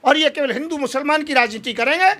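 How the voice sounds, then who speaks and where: A man's voice: extremely high pitch, fast talker, pushed and bright. A man giving an impassioned political interview, speaking in combative, emphatic oratory full of rhetorical challenges.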